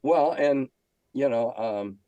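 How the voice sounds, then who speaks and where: A man's voice: medium pitch, slow, dark tone, no room sound, highs cut off. An older man telling stories casually in an interview as a veteran game master, talkative and salty with dry humor.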